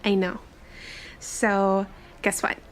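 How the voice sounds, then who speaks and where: A woman's voice: mid-range voice, little pitch movement, slow pace, natural voice, rough recording. A woman playing an eager, chatty young traveler in a tabletop roleplay, with gushing, informal, stop-start chatter. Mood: friendly, bubbly.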